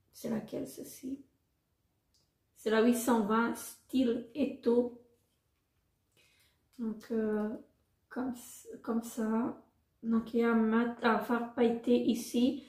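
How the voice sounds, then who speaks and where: A woman vlogger casually showing her makeup products, halting often with fillers and restarts. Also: fairly high pitch, mellow, reverberant. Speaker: beauty vlogger.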